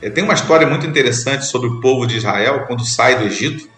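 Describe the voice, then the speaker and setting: Faint music plays behind a man from Brazil as he preaches earnestly as a bishop, repeating phrases for emphasis with pauses in between. His medium-pitched voice is a bit bright, and the recording has a roomy sound.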